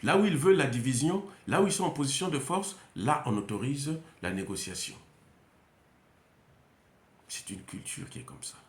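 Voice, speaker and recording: A man with a Central African French accent talks in an emphatic, repetitive way, with frequent hesitations. His pitch rises and falls in a lively way, and the room around him adds a noticeable echo. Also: normal speed, pauses often, a little hiss or hum. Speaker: commentator. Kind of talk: unscripted monologue. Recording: roomy echo.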